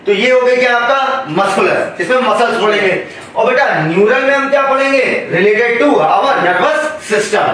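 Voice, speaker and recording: Teaching biology, this man keeps asking his class questions to answer and calls them "beta." His voice is very high-pitched and a bit bright, with a measured pace and few pauses. The lecture is captured from far off in an echoey classroom.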